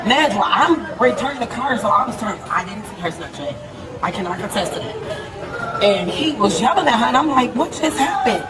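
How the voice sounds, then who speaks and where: A woman's voice: a little high, expressive, moderate pace. A woman giving an agitated, rambling account of an argument to the police. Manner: rambling, emotional explanation. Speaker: person involved in a dispute. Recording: distant, noisy recording in a crowded hall. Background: loud crowd.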